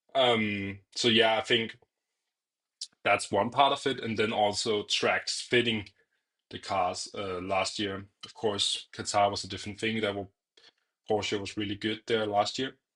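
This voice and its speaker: A man talks at a fairly slow pace with a fairly low pitch and a bright, sharp tone. His intonation stays fairly even while his loudness swings widely. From Denmark. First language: Danish. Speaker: motorsport live-stream co-host. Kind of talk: casual live-stream commentary and Q&A.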